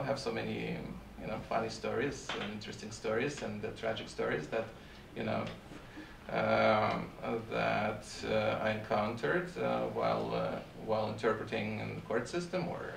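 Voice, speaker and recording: A middle-aged man from Ukraine with a Russian accent, a court interpreter speaking on a panel in a halting way with many fillers. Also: on the low side, gravelly, a bit bright, slight background noise. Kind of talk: panel talk. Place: university seminar room. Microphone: far camera. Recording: echoey room from far off.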